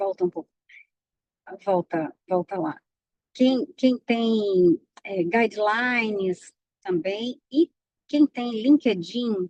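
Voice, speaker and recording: In a strong Pernambuco accent, a woman with a fairly high pitch speaks at a very slow pace with lively intonation and long, frequent pauses. The sound is dry and close with no echo. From Pernambuco, Brazil. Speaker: physician and speaker on health AI. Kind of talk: lecture.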